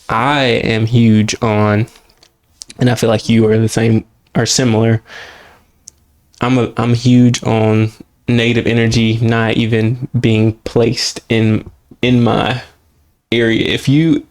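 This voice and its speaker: A man's voice: lowish voice, flat delivery, a little slow. A man co-hosting a podcast, speaking in an earnest, emphatic, reflective way in casual chat. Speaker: podcast co-host.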